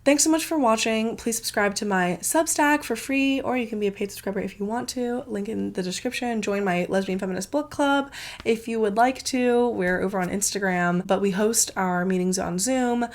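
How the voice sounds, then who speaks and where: A woman's voice: mid-range voice, normal speed. A congested woman hosting her book channel, gushing in a casual, filler-heavy review with plenty of swearing.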